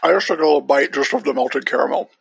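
A man's voice: medium pitch, fast, gravelly, husky, dry recording. A man co-hosting a casual podcast, joking around and swearing casually. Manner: animated, jokey, swears casually. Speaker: podcast co-host. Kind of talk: casual chat.

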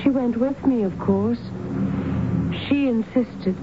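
An actress playing a troubled, genteel Victorian English army wife under hypnosis in a radio drama, recalling her life in a halting, refined way. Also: fairly high pitch. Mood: wistful, composed. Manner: slow, halting, refined recollection. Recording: dull, noisy old radio broadcast.

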